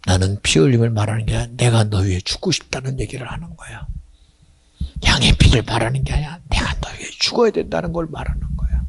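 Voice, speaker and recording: A man voices a gentle savior figure who pleads softly. He speaks low, often in a breathy whisper with gravel in it. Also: dry recording, exaggerated voice. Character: tender divine male savior, pleading gently.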